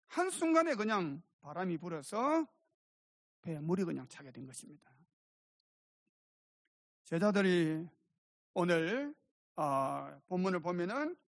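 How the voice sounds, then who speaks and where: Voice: medium pitch, dry recording, clean studio sound. A pastor preaching a sermon emphatically, calling for amens and speaking directly to the congregation. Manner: emphatic preaching with calls for amen.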